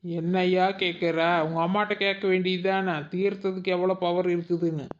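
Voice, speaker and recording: A man playing a teasing, sharp-tongued young village wife in a cartoon. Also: high-pitched, little pitch movement, fairly quick, lo-fi sound, slight background noise, lightly acted. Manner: teasing, cheeky. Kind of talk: cartoon voice acting.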